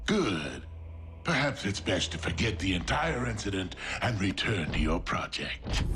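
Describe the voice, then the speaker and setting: A man does a cartoonish character voice with a menacing tone, very deep and low in pitch, at a moderate pace over loud background noise. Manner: cold, menacing.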